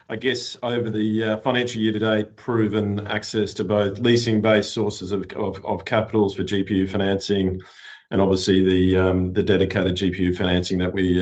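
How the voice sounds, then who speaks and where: A male finance executive answers on an earnings call in a fairly low voice. He moves haltingly through formal phrasing, restarting often, with little variation in tone. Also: a little mellow.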